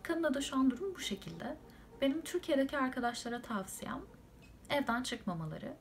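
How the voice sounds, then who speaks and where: A woman's voice: sits high, animated, a little fast, slight background noise. A young woman from Turkey giving an informative update, explaining point by point with hesitations. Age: young adult. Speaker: student living abroad.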